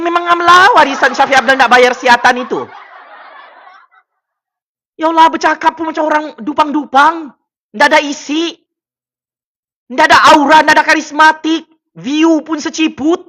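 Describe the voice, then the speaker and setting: A man with a Sabah Malay accent, ranting and taunting as a livestream political commentator on his own mic, with loud exclamatory bursts. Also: very high voice, fairly even intonation, normal speed, long pauses. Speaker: political commentator streaming to viewers. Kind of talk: mocking livestream rant. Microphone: personal microphone at a desk.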